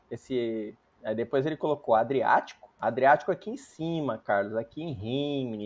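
The man has a normal speaking voice at a medium pitch, with ordinary pitch variation and a moderate pace. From Mato Grosso, Brazil. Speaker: live stream co-host, citizenship advisor. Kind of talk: casual chat.

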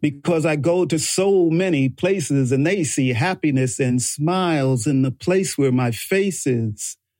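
A man speaks in a normal speaking voice, fairly high in pitch, with ordinary pitch variation. His pace is fairly slow, with hardly any pauses. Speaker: audience speaker on stage. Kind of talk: casual live conversation, personal testimony. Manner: warm, talkative.

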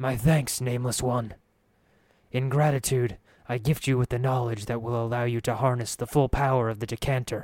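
In a put-on character voice, a man talks at medium pitch and a fairly quick pace. The recording is very clean, with a silent background. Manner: slow, formal, heavy pauses.

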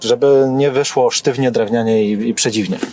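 There is noticeable background noise in this clip. Over it, a man talks at a fairly quick pace. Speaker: podcast host. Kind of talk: interview. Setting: in a car. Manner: calm.

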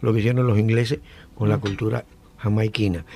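A man's dark, mellow, somewhat breathy voice, medium in pitch, at a fairly quick pace. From Cuba. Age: 60s. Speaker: musician. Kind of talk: casual interview.

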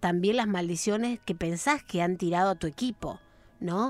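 At a moderate pace, a woman uses an ordinary speaking voice of medium pitch with lively intonation. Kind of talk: casual chat.

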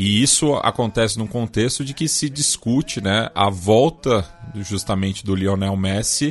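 Over music in the background, a man with a medium pitch and ordinary pitch variation speaks at a fairly slow pace. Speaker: podcast host. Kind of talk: news commentary.

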